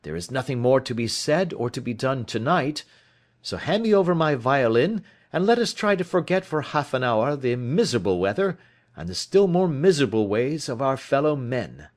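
Man doing holmes, keen detective, crisp and emphatic, voice jumps around a lot. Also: medium pitch, sing-song, normal speed, voice pushed up, close to an everyday voice. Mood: explaining. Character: Sherlock Holmes, keen, brisk male detective. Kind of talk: audiobook character reading.

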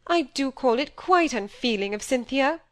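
A woman's voice: high voice, expressive, normal speed, a bit bright, voice pushed up. A woman voicing a self-pitying, fussy middle-aged stepmother who gushes and complains. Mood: fretful.

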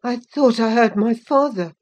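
A woman's voice: a little high, unhurried, voice pushed up. A woman doing a frail, frightened young man. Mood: startled. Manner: gasping, fearful, hushed. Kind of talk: audiobook character voice.

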